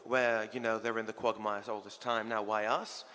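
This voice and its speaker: A man's voice: lowish voice, little pitch movement, moderate pace, bright, forceful tone, big-room sound. A young man speaking as a panelist in a youth discussion, confident and rhetorical in how he builds his points. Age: young adult.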